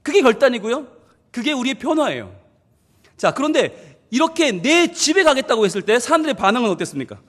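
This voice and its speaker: A male pastor preaching a sermon to his congregation. He preaches in an animated way, talks straight to the people in the pews and acts out the voices he quotes. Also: extremely high pitch, brisk. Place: church sanctuary. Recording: long church reverb.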